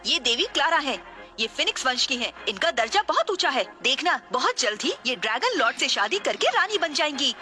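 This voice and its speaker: A woman voicing a goddess's servant who flatters her mistress and scorns others. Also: high voice, brisk, soft background music, full character voice. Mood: boastful. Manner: flattering, scornful toward outsiders. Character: fawning female servant of a goddess.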